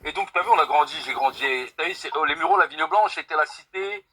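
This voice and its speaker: A husky, bright-toned young man from France speaks on a live call. He argues earnestly and with emphasis, and he often repeats his points and swears by God to back them up. His voice sits a little high for a man. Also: fast talker. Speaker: caller on a live stream. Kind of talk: casual debate call.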